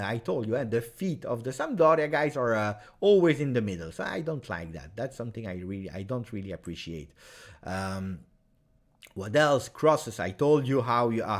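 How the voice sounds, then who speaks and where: A man hosting a live match reaction, chatty and partisan, bursting into excited shouts at big chances. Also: medium pitch. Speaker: fan channel match reaction host.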